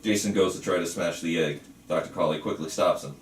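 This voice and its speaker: A man's voice: deep voice, a little fast. A man reading screenplay stage directions aloud at a table read in a roomy space. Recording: roomy, distant mic, faint room noise.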